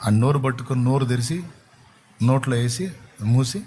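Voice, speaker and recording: A man's voice: medium pitch, normal speed, warm tone, slight background noise. Male preacher, storytelling sermon, dramatic and repetitive, mid-range voice. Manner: dramatic, repetitive, rising to proclamation. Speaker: pastor.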